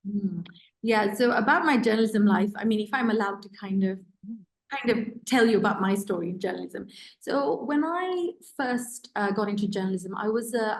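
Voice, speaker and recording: A woman's voice: medium pitch, darkish tone. A woman born in Sri Lanka and raised in Britain, a guest on a podcast interview, chatting in a loose, thinking-aloud way with plenty of fillers. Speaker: guest, ambassador's spouse. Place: residence reception room.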